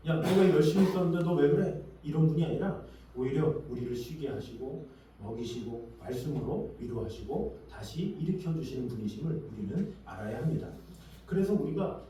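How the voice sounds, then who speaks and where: A man's voice: fairly high pitch, mellow, a little hiss or hum. A male pastor preaching a Sunday sermon, asking the congregation questions and acting out quoted voices. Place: church sanctuary. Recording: echoey church hall, distant mic.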